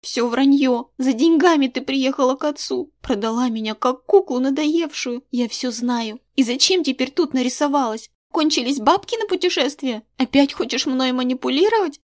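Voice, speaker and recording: A woman's voice: high-pitched, expressive, normal speed, hardly any pauses, voice pushed up. A woman voicing an angry, resentful schoolgirl who speaks coldly and accusingly. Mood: scornful. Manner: sharp, scornful, raised voice.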